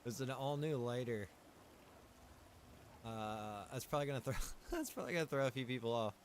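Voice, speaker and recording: A man streaming a survival game, talking casually and thinking out loud with the odd chuckle as he plays. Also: medium pitch, animated, a little fast, slight background noise. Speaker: streamer and game server developer. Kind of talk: live-stream gameplay commentary.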